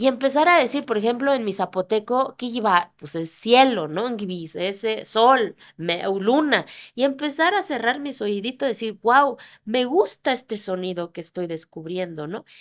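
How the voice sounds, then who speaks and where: On a very clean recording with a silent background, a woman talks at a fairly slow pace in a fairly high pitch. Her tone is animated, and her pitch swings very widely. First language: Zapotec (speaking Spanish). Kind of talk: interview.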